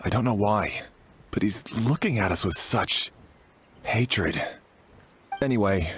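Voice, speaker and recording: An actor playing an earnest, worried young tribal warrior in a video game. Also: male voice, fairly low pitch, animated, takes it slowly, a bit bright, breathy edge, full character voice. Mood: subdued. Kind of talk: scripted game voice acting.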